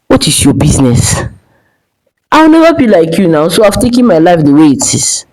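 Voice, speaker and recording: A woman's voice: on the low side, big pitch swings, normal speed, darkish tone, low-quality recording. A woman voicing a bitter, defensive man, the resentful black sheep brother in a dramatic folktale. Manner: defensive, dismissive.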